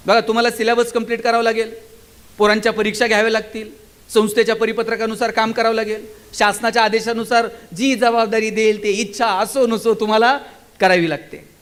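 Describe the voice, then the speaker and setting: A man delivers a fired-up motivational speech to a school crowd, and his voice sits unusually high for a man. He drives his points home with one rhetorical question after another. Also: flat delivery, brisk, a bit bright, smooth. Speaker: motivational speaker. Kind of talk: stage speech to students and teachers. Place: school gathering.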